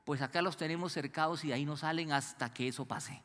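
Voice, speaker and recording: A man's voice: on the high side, brisk, a bit bright, long reverb tail. A man preaching a sermon as pastor, asking the congregation to call out the missing words. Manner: asks the congregation to fill in words. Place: church hall.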